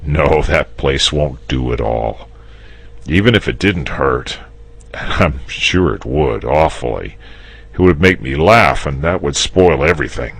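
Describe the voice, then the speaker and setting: A man's voice: extremely low pitch, animated, unhurried, husky, full character voice. A man voicing a lazy, fussy male dragon in a storybook reading, speaking coyly and a bit testily. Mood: mild. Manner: wavering, testy, gently pleading.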